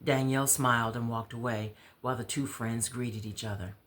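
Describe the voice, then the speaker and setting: Low-key woman reading fiction aloud. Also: steady tone, moderate pace, a bit bright. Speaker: author and storyteller. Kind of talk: expressive read-aloud of fiction.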